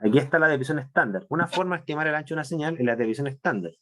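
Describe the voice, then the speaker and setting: A man's voice: on the high side, racing, fairly bright tone. Man lecturing, stopping to check understanding. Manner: explanatory, checks understanding with frequent tag questions. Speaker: university chemistry lecturer. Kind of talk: online class lecture.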